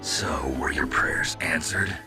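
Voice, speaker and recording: A man's voice: very deep voice, slow pace. A man playing a hardened, weary soldier hero in a video game, speaking tersely and seriously as he questions. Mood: grave. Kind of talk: dramatic video game voice acting. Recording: loud music under the dialogue.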